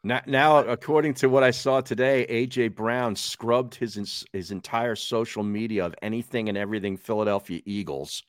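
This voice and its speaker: Wry male podcast host in his late fifties, low-pitched, dry close-mic sound. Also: normal speed, hardly any pauses, no echo. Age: 50s. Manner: wry, joking. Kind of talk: casual podcast chat.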